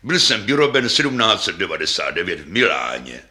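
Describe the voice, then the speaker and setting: A man voicing an old, dignified male double bass in a storybook, speaking slowly and courteously with sighs. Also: very animated, bright, forceful tone, full character voice. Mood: wistful. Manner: slow, sighing, courteous.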